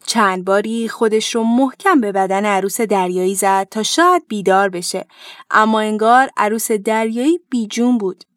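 A woman hosting a children's program, gently narrating a storybook tale and speaking to parents. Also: medium pitch, dry recording, clean studio sound.

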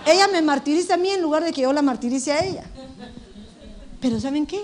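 A middle-aged woman pastor, preaching a lively sermon straight to the congregation. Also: sits high, brisk.

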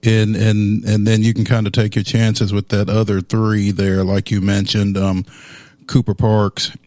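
Deep-voiced man, sports radio co-host, easygoing, dry close sound. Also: monotone, darkish tone, no echo. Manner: easygoing, drawn-out, plenty of ums. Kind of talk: casual sports talk radio.

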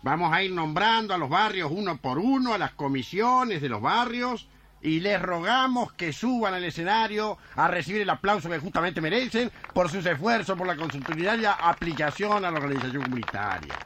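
A man's voice: high voice, expressive, normal speed, bright, forceful tone. An actor playing a formal, officious man announcing awards from a stage in a radio drama, fumbling over long words.

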